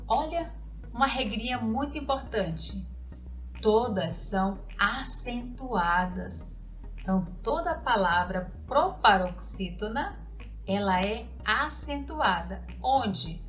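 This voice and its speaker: Lady teacher going slow over word examples, dull lo-fi sound, soft music under. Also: on the high side, animated. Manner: slow, deliberate, spells out examples and asks questions. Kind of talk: grammar lesson for children. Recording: dull lo-fi audio with faint music.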